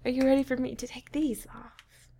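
Young woman, intimate roleplay, high voice with gravelly fry, breathy whispers close to the mic. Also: flat delivery, normal speed, warm tone, slight background noise. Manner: teasing, breathy, often whispering. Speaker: audio roleplay performer.

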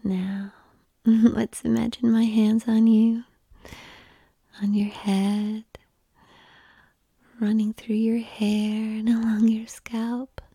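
A woman whispering softly and calmly in an ASMR roleplay, coaxing the listener through slow breathing, close to the microphone. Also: a little high, breathy edge, dry recording. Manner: soft unvoiced whispering; calm, coaxing breathing guidance.

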